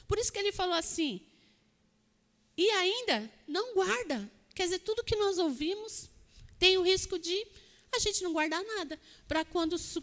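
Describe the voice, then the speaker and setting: A woman delivers an earnest sermon to a congregation, often checking in with them for an amen. Her voice is very high and bright. It rings out with the long reverb of a church hall. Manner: earnest preaching, asks the congregation "Amém?". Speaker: preacher.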